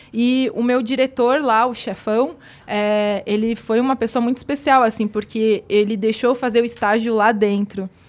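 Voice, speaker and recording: An unremarkable speaking voice at a moderate pace, with fairly even intonation. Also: woman. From southern Brazil, Rio Grande do Sul countryside. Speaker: esports reporter and presenter. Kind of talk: casual chat.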